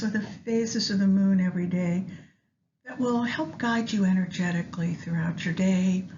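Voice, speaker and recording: A woman leading a guided meditation with astrology, speaking gently and in measured short phrases with long pauses. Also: mid-range voice. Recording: dull lo-fi sound, faint background noise.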